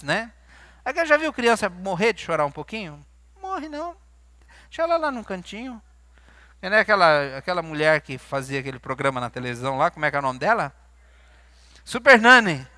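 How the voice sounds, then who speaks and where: A pastor with a Brazilian Portuguese accent preaches in a church, speaking conversationally and asking his congregation questions. His very high voice is bright and forceful, and the recording is dry.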